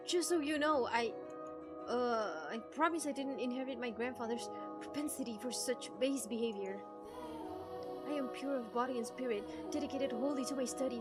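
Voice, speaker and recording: A woman streamer reading a visual novel aloud and reacting in an animated, teasing way, swearing freely. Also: a little high, normal speed, pauses often. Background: music.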